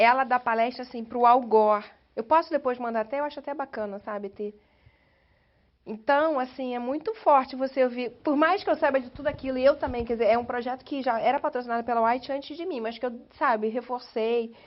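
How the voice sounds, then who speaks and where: A woman with a Brazilian Portuguese accent, telling a story in an oral history interview in an emotional, animated way, indoors. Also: a little high, lo-fi sound.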